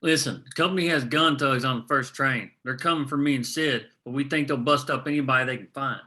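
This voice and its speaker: A man's voice: medium pitch, a little fast, bright, forceful tone, natural voice. A man reading the part of a blunt, urgent union man in a drama, with a plain, folksy manner. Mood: urgent, wry. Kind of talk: screenplay table read.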